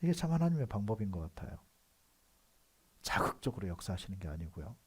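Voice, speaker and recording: Husky-voiced Korean pastor preaching. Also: male voice, fairly low pitch, big pitch swings, fast. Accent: Seoul Korean. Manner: conversational preaching with frequent affirming "yes" asides; swings between soft asides and loud emphatic outbursts. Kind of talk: sermon.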